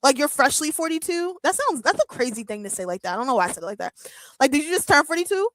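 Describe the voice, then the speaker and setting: A woman's voice: high voice, very animated, fast talker, a bit bright, no room sound, low-quality recording. Playful joking woman streamer, dry close sound. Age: 30s. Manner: playful, joking, laughs often, lots of fillers. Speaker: streamer hosting a wrestling watch-along. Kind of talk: casual live-stream chat reading comments.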